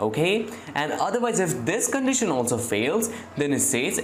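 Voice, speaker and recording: Speech at a moderate pace comes with noticeable background noise. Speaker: machine learning instructor. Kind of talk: lecture. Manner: halting.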